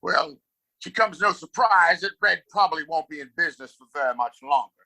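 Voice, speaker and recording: A man's voice: on the high side, animated, a little fast, gravelly, bright, forceful tone, exaggerated voice. A man playing a domineering, scornful wealthy father and town boss in a Western audio play, condescending and commanding. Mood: haughty.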